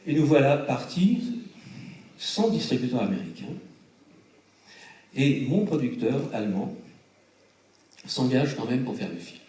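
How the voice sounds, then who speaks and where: A film director telling lively anecdotes to a cinema audience, acting out the voices of the people he quotes. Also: medium pitch, measured pace, long pauses. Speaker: film director presenting his film. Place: large cinema hall before a screening. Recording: very echoey hall, voice from far off.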